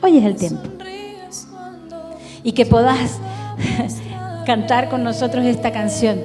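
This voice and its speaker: A woman's voice: fairly high pitch, lively intonation, takes it slowly, long reverb tail, over music. A woman pastor with an Argentine accent, preaching a sermon in an earnest, pleading way, talking straight to the listener. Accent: Argentine Spanish. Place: church hall.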